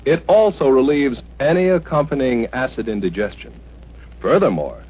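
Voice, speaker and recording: An American man delivers a chipper 1950s radio ad with a lively, swooping pitch and a slightly husky edge. He stresses each selling point emphatically, on a muffled old broadcast with faint music. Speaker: radio announcer.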